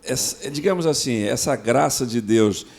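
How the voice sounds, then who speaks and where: A man's voice: medium pitch, moderate pace, vocal fry, a crowd in the background. A man hosting a church podcast who interviews a guest pastor and affirms him with short replies. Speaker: podcast host, youth pastor.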